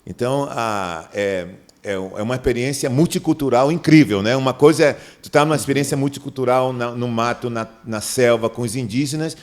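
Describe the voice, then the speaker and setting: A man's voice: mid-range voice, fairly quick, few pauses. A middle-aged man from Manaus, Brazil, a pastor in a podcast interview who tells stories and acts out the dialogue. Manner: animated storyteller, acts out dialogue in a raised voice.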